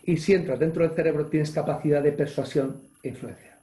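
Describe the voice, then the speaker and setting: Spanish-male coach, online webinar, energetic and demonstrative, warm mellow tone, roomy echo over a video call. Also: on the high side, brisk. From Spain. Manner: energetic, acts out gestures and exclamations, reads chat questions aloud. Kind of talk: live online leadership webinar.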